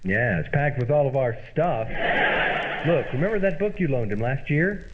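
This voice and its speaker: Man playing an animated, exasperated, bossy straight man. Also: medium pitch, moderate pace, very noisy, close to an everyday voice. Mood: brisk, determined. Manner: brusque, theatrically indignant, interrogating. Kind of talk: old-time radio comedy acting. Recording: dull, lo-fi radio-show sound.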